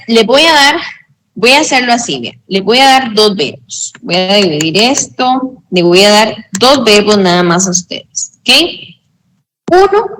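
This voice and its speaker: A woman teaching English grammar in a slow, patient way, often checking that students follow. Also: on the high side, a bit bright, slight background noise, low-quality recording. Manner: slow, patient explaining with frequent check-ins. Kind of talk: online tutoring lesson.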